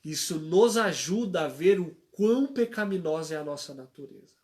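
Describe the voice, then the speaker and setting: A man's voice: a little high, expressive, moderate pace, darkish tone. A young man, a church worker, giving a religious testimony on a live stream, telling stories and asking rhetorical questions like a preacher. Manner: storytelling, acts out quoted voices.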